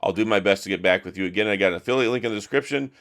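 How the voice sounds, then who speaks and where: A middle-aged man talks straight to camera in a loose, opinionated way, often restarting his sentences. His voice is hoarse and worn from days of talking. It sits a little low. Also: rapid-fire, a bit bright. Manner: chatty, opinionated, frequent restarts. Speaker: tech reviewer. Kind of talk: casual talk to camera.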